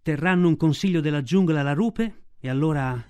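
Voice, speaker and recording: A proud, protective black she-panther, read by a man in a spoken storybook, tender and grave. The voice sits a little high with a mellow, soft tone. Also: fairly quick, faint music behind, close to an everyday voice.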